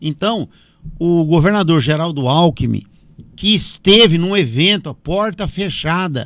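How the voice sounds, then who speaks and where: Recorded very cleanly against a silent background, a man with a high voice speaks at a fairly slow pace with ordinary pitch variation. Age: 60s. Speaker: political and labor analyst. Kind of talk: radio interview commentary.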